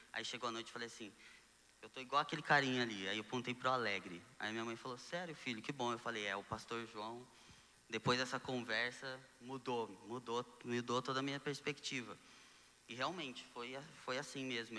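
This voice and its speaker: A young Brazilian man, a guest telling his story in a casual conversation, animated and acting out the dialogue he quotes. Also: medium pitch, long reverb tail. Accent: Brazilian Portuguese. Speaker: guest sharing testimony.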